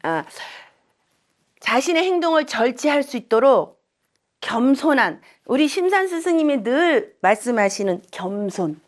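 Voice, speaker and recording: A woman's voice: high-pitched, measured pace. A middle-aged woman who works as a shaman and saju teacher, giving a casual lecture full of personal stories and acting out the voices of people she quotes. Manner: chatty, animated storytelling, acts out quoted voices.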